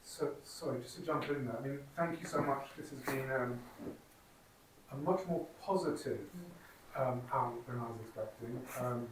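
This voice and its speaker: A man's voice: mid-range voice, normal speed, a little hiss or hum. A man hosting a panel, polite and tentative as he asks his questions. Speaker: host. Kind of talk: panel moderation. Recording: echoey, distant from the mic.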